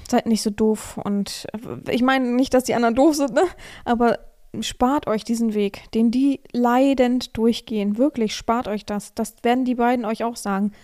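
A hoarse woman hosting a podcast, talking frankly in a casual monologue and reading a listener's letter aloud. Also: a little high, fairly even intonation, normal speed, mellow. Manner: frank, advising listeners directly. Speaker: podcast host.

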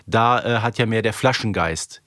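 A man's voice: fairly low pitch, normal speed, a bit bright, no echo, studio quality. A man co-hosting a podcast in a casual, conversational style. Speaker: podcast co-host.

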